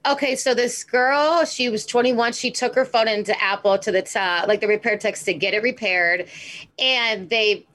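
Young woman co-host, hoarse and raspy today, blunt casual chat full of swearing. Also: a little high, normal speed, a bit bright. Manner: blunt, swears freely, laughs often. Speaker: podcast co-host.

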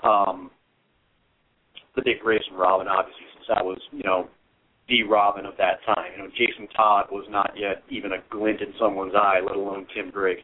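Casting: male podcast co-host, rambling and halting, on a tinny phone line. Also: lowish voice, flat delivery. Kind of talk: podcast discussion.

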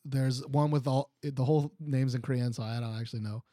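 A man co-hosting a podcast in casual chat, animated and jokey, laughing often. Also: mid-range voice, fairly quick, no room sound, studio quality. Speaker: podcast co-host. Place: Seoul, South Korea.

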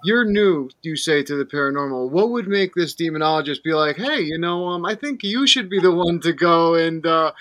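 A man hosting a paranormal podcast with a bright, forward voice recorded dry and close. He asks his questions in an animated way, restarting and repeating phrases. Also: on the high side, normal speed, hardly any pauses, no echo. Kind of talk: casual podcast conversation.

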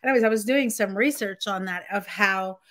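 A woman from Montreal, a native French speaker, speaks as a guest on a video call. She talks in an animated, expressive way, full of fillers and repeated words. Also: mid-range voice, brisk. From Montreal, Quebec. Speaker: guest, personal development coach. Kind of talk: casual interview conversation.

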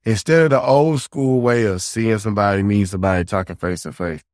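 A man's voice: on the low side, fairly quick, no room sound, clean studio sound. A man co-hosting a podcast, chatting casually with hype-man affirmations. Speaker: podcast co-host.

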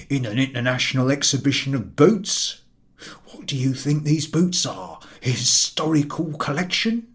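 A man's voice: medium pitch, darkish tone. A man doing a thick-voiced angry bootmaker. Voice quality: thick, husky. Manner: rising indignation, rhetorical questions. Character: surly middle-aged male London bootmaker, angry.

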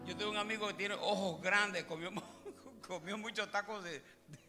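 A man's voice: high-pitched, steady tone, normal speed. A man preaching a comic sermon as pastor, joking and teasing his congregation. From Puerto Rico. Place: large church hall. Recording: live church hall with music. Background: music playing.

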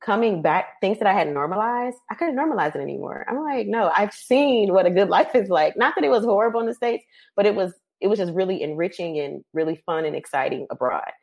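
A woman from Detroit telling her story as a podcast guest, lively and quick to laugh. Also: medium pitch, creaky. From Detroit, Michigan. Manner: lively, laughs often, says "um" and "like". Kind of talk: conversational storytelling.

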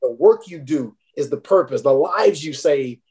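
A man's voice: a little high, lively intonation, moderate pace, darkish tone. A man working as a recovery advocate, speaking earnestly and encouragingly as a podcast guest. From Tennessee. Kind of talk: casual podcast conversation.

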